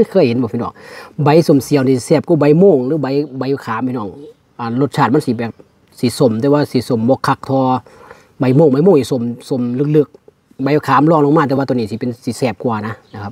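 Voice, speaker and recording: A man talks with ordinary pitch variation, and the sound is dry with no echo. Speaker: food vlogger. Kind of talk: casual eating vlog chat. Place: garden. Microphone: lapel.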